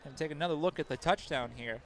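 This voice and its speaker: A man giving color commentary at a local high school football game, chatty and analytical, often restarting his sentences. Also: fast, some chatter behind, a little hiss or hum.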